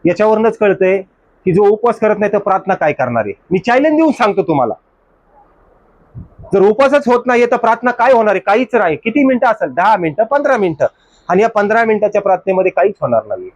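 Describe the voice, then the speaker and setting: A man's voice: sits high, big pitch swings, quick pace, no room sound. A man preaching as a pastor in a church, exhorting his congregation with rhetorical questions and mock excuses. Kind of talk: sermon.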